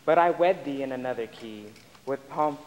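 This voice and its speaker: A man's voice: mid-range voice, moderate pace, close to an everyday voice. Seeking man as stately Shakespearean duke: medium voice, theatre reverb. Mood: tender, proud. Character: regal duke wooing his bride. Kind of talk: staged Shakespeare reading. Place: stage in large auditorium. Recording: hall reverb, faint noise.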